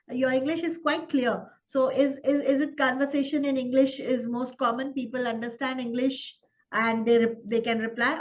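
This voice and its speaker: Woman, interview host, higher-pitched, curious, halting, lo-fi sound. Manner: curious, warm questioning, halting restarts. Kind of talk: casual interview conversation.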